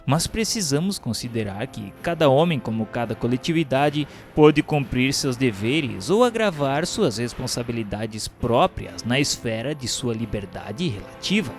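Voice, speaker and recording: A man with a Brazilian accent reads scripted historical narration in a formal, solemn, measured delivery. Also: mid-range voice, animated. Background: music bed.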